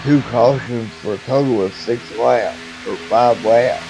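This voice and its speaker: A man calls a live race into his mic, running through positions and laps in a steady play-by-play. His voice is wearing thin and hoarse. Music plays behind him. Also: medium pitch, measured pace, low-quality recording. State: losing his voice. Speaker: sim racing commentator.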